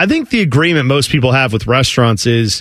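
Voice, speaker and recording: A man with a normal speaking voice, fairly high pitch and lively intonation, in a quiet background. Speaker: radio host. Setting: studio. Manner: bantering, quick, jokey.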